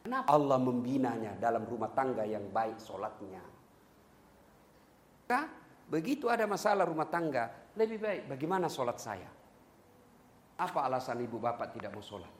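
A man preaching a sermon to a live audience, animated and joking, sometimes singing a line of a song. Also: medium pitch, normal speed, pauses often. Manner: animated, joking with the crowd, sings snatches of songs. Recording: echoey hall, light background noise.

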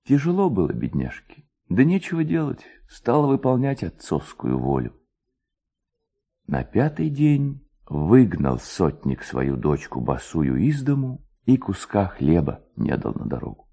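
A male narrator reads a literary tale with theatrical suspense. His voice is on the low side and mellow, a little husky, and his intonation ranges very widely. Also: measured pace. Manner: expressive, theatrical, suspenseful storytelling.

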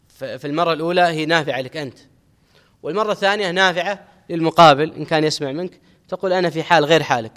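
A middle-aged male religious scholar gives a lesson at a quick clip, his voice sitting a little high. He explains a text, quotes scripture, and repeats the key phrases for emphasis. His voice rings with a long hall reverb. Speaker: Islamic scholar teaching hadith commentary.

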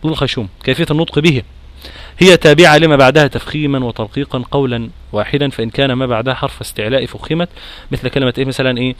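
A man with an Egyptian accent teaches Quran recitation rules to a class, his voice nasal and stuffed up from a cold. He talks in a lively way, firing questions at his students and chanting examples. The sound is dry and close, his pitch in the middle range. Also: rapid-fire, dry recording. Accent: Egyptian Arabic. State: congested with a cold. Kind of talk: tajweed lesson to a class.

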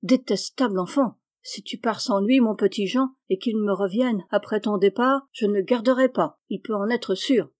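A weary country aunt who grumbles and scolds about a stubborn nephew, as a woman reads her lines in an audiobook. The voice is mid-pitched and warm, with a mellow, relaxed tone. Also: normal speed, few pauses, natural voice. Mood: grumbling. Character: scolding exasperated peasant aunt. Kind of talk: audiobook reading.

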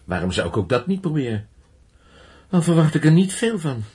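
An actor playing an earnest, stubborn young blind teacher and inventor with a fervent, deliberate delivery in a Dutch radio play. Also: male voice, a little high, big pitch swings, darkish tone. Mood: despondent, earnest.

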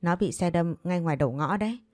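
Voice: medium pitch, fast talker, a little mellow, dry recording, studio quality, natural voice. A woman voicing a worried elderly neighbor who speaks kindly and with concern.

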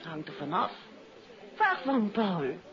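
An actress playing a composed, affectionate, questioning detective's wife in a 1950s Dutch radio play. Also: female voice, mid-range voice, huge pitch swings, takes it slowly. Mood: curious, fond. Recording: dull old radio recording, music behind.

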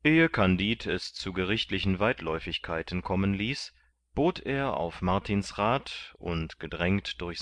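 A man reading a classic novel aloud as narrator, measured and deliberate, voicing the characters. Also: low-pitched, a bit bright, no echo. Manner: slow, measured, puts on voices for characters. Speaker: audiobook narrator. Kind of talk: scripted literary narration.

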